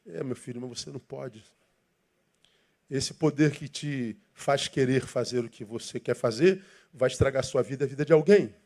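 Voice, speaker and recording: A pastor preaching a sermon in church, emphatic and rhetorical, asking the congregation questions and leading them in reading. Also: male voice, medium pitch, moderate pace, a little mellow.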